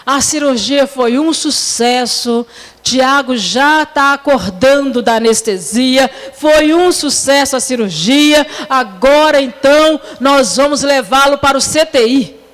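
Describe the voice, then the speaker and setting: A woman voicing a male surgeon who calmly and slowly explains hard news. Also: high voice, in a large hall. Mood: measured.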